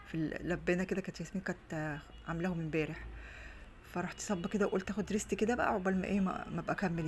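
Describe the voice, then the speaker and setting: A woman's voice: on the low side, a little hiss or hum. A middle-aged Egyptian woman and mother chatting casually through a home vlog, rambling with many restarts, recorded on a phone on a stand. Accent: Egyptian Arabic. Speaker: vlogger and mother. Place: her home, indoors.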